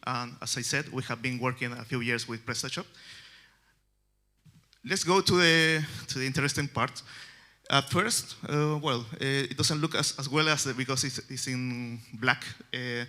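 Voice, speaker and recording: Chilean man presenting at a developer conference, very bright tone, halting English. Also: mid-range voice. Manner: halting, many fillers and restarts, non-native phrasing. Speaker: conference speaker. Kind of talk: technical conference talk. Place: conference stage.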